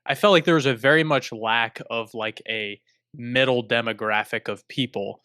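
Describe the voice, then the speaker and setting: A young man talks on a podcast in a bright, forceful voice with a crisp, smooth tone. He is self-deprecating and often restarts mid-sentence. The sound is dry and close on a remote call mic. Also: mid-range voice, normal speed, dry recording. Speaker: podcast co-host. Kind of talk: casual chat.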